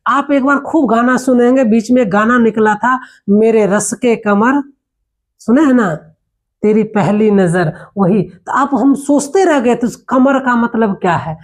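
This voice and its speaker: A patient teacher, a man, explains grammar in a classroom manner. He says each example word slowly and repeats it, and he keeps checking that his listeners are with him. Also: very high voice. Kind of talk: classroom lesson.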